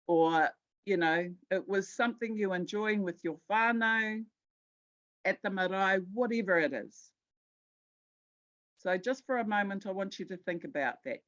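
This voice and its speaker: A woman's voice: medium pitch, dull audio. A woman with a New Zealand accent gives an educational talk, speaking conversationally, telling stories and repeating words for emphasis. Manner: conversational, storytelling, emphatic with repetition. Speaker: guest speaker at a Māori health conference.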